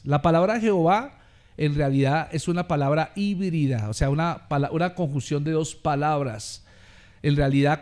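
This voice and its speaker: Male pastor with a high voice, preaching fervently and having the congregation repeat after him. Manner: preaching with rising volume and call-and-response; addresses listeners as beloved brother. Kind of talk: sermon.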